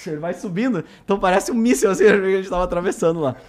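Man, casual storyteller, talks at a racing pace, higher than most, theatrical quoted voices. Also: very fast. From southern Brazil. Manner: animated, acts out quoted voices with big pitch jumps. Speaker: traveler telling road trip stories.

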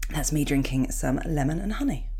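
A woman in her thirties with a cold, hosting her podcast in a rambling, self-mocking chat with a croaky, gravelly voice. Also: low-pitched, animated, fairly quick, mellow, a little hiss or hum. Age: 30s. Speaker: podcast host. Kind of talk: chatty podcast intro, reading listener emails.

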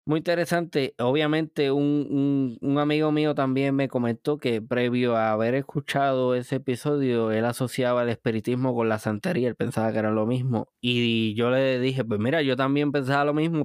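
Man, Puerto Rican Caribbean Spanish accent, podcast host, crisp clean tone, conversational, emphatic, dry sound. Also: medium pitch, steady tone, normal speed, few pauses, no echo. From Puerto Rico. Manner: emphatic, conversational, addresses the listener directly. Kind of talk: casual podcast monologue recapping episodes.

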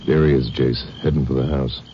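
An actor playing a plain-spoken small-town Texas sheriff in a 1950s radio western, with a folksy, questioning manner. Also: male voice, extremely low pitch, fairly even intonation, brisk. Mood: watchful, questioning. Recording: dull vintage radio recording, faint noise.

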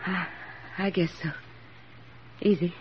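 An actress playing a steady, plain-spoken army nurse lieutenant who narrates and soothes wounded men in a 1940s radio drama. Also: female voice, on the low side, slow pace, a little hiss or hum. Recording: dull old radio broadcast with music.

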